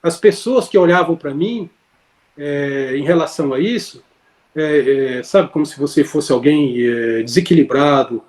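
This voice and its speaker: Man with a high voice. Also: a little slow, a little mellow. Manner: rambling, many fillers and self-corrections. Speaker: interview guest. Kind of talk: casual conversational storytelling.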